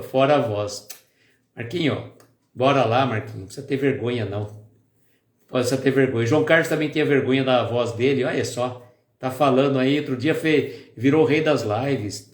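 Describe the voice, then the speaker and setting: Chatty man in an echoey room. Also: mid-range voice. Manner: chatty, greets viewers by name; slow, soft and calm when leading the prayer. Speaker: host of a spiritist live stream. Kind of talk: casual live-stream chat, then guided prayer. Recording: echoey room with faint music.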